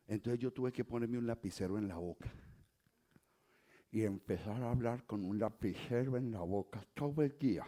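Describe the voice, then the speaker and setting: A middle-aged Colombian man with a softened Colombian Spanish accent, preaching a sermon that swings from quiet asides to loud emphatic exhortation. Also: on the low side. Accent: Colombian Spanish, softened toward neutral. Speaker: pastor.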